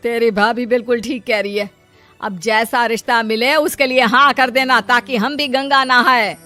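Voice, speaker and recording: A woman voicing a scolding, sharp-tongued middle-aged mother in an animated story. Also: on the high side, moderate pace, no echo, faint music behind. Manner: scolding, taunting.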